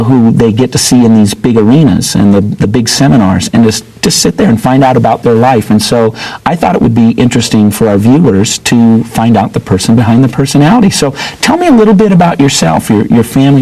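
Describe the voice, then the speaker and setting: A man's voice: mid-range voice, fast talker, creaky, few pauses, warm tone, rough recording. A man hosting an interview show, reading a scripted opening and then chatting with his guest. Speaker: host.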